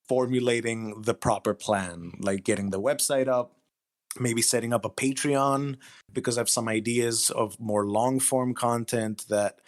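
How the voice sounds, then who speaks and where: A man speaking as a guest writer in a casual interview, modest and self-deprecating about himself. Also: mid-range voice.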